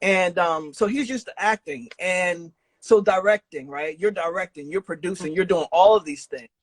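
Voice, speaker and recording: A man hosting a casual interview, talking informally with slang and a halting, thinking-aloud delivery. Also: high-pitched, dry recording. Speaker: podcast host interviewing an audio drama creator.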